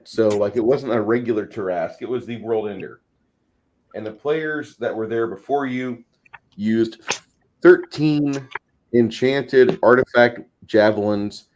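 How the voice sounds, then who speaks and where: A man casually explaining ideas as host of a tabletop gaming discussion, in a rambling, recommending way. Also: fairly low pitch.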